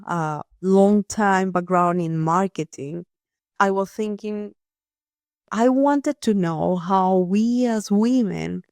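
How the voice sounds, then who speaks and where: A woman's voice: medium pitch, a little mellow, no room sound, studio quality. Earnest woman host, nonnative phrasing. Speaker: podcast host, here the guest. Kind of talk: reflective personal storytelling.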